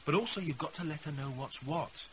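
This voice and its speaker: A man's voice: a little high, a little fast, background noise, lightly acted. An actor playing a blunt, cocky, wry British businessman in a naturalistic radio drama. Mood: blunt, assured. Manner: blunt, matter-of-fact, wry. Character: blunt, cocky businessman, tipsy partner of a mother.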